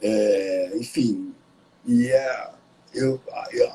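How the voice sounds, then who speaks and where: With lively intonation, a man talks in a dark, mellow tone. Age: 60s. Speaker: musician. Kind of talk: interview. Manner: casual, halting with repetitions.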